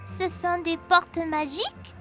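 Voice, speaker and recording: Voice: very high voice, slow, fairly bright tone, faint music behind, heavily acted. An actor voicing a curious, slightly timid four-year-old boy in a children's cartoon, with a childlike, wondering delivery. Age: child character, four years old.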